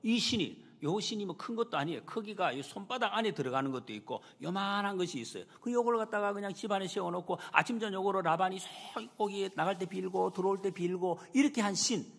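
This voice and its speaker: A man's voice: sits high, fast talker, gravelly, hardly any pauses, a bit bright. A man preaching a Sunday sermon as pastor, who acts out the quoted lines with a raised voice and speaks to the young people in the congregation. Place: church sanctuary. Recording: long church reverb.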